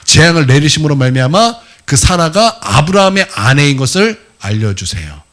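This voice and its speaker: A middle-aged male pastor preaching a sermon in a church, lively and asking the congregation questions as he goes. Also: on the high side, moderate pace. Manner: lively, asks the congregation questions, acts out quotes. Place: church sanctuary.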